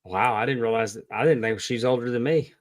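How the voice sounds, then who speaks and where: A man's voice: mid-range voice, fast talker. A man of fifty-eight chats as a co-host. His talk is informal and unscripted, in short conversational remarks. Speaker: podcast co-host answering quiz questions. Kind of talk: casual chat.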